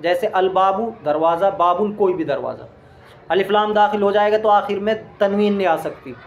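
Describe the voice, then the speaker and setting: A man's voice: sits high, normal speed, muffled recording. A man teaching an Arabic grammar lesson in speech, explaining step by step and quizzing his listeners with questions.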